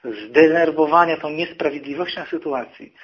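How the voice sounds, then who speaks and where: Higher-voiced man preaching with personal stories. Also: normal speed, slightly rough, muffled recording. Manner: storytelling, acting out quoted people. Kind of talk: sermon with personal testimony.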